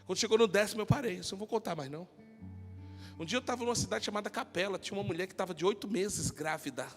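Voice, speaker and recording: A man, a pastor, preaching a sermon full of personal stories, moving between shouted passages and quiet talk. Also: high-pitched, rapid-fire. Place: church. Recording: long hall reverb with soft music.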